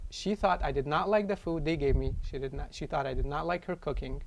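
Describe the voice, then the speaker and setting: An Arabic accent comes through in the speech. It moves at a moderate speed. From Egypt, Alexandria. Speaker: former exchange student, program representative. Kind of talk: casual chat, storytelling.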